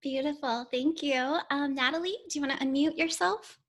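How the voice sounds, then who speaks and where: High-voiced upbeat woman hosting. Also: normal speed, fairly bright tone. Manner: upbeat, encouraging, many fillers. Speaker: host of a live panel Q&A. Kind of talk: casual live video call. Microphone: video call.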